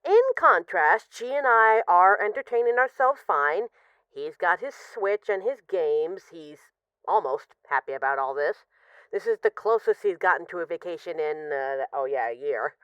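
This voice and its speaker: Low, smooth actress as an affectionate mafia boss. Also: female voice, lively intonation, moderate pace, a bit bright, no room sound, dull audio. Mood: bored, wry. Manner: hesitant, sighing, wry, conversational. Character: affectionate, wry female mafia boss missing her partner. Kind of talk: scripted audio roleplay as intimate rambling voicemails.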